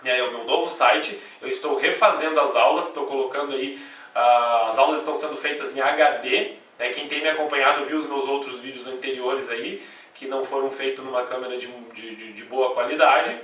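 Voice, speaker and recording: A male Brazilian grammar teacher giving a video lesson, explaining step by step, spelling sounds out slowly and often checking in with the class. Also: medium pitch, fairly even intonation, a bit bright. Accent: Brazilian Portuguese. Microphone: camcorder mic away from the speaker. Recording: echoey room, voice from a distance.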